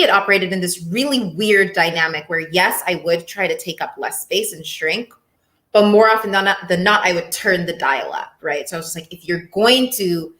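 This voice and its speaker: Young woman guest, lowish and bright, animated, candid, echoey room. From Cape Verde and Mozambique heritage, raised in Ethiopia. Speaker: empowerment coach guest. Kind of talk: casual interview conversation.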